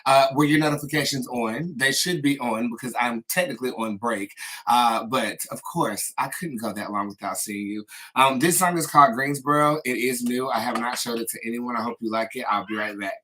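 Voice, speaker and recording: A man's voice: medium pitch, brisk, sharp tone, low-quality recording. An American man hosting a casual livestream, chatting and making announcements to viewers. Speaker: livestream host, tarot reader.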